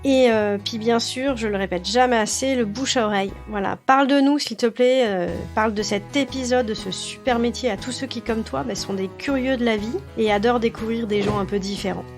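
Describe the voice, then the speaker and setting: A fairly high-voiced woman hosts a relaxed interview podcast, talking in a chatty way full of little fillers. She speaks straight to her listeners. Faint music sits under her voice. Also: brisk, few pauses. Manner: chatty, many fillers, addresses listener directly. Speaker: podcast host.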